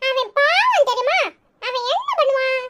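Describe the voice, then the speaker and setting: Pushed, bright and exaggerated, her very high, very animated voice moves at a measured pace as she acts out a cheeky, chirpy little boy for a cartoon. The bossy, talkative character carries a Tirunelveli Tamil accent, and clear background noise sits in the recording.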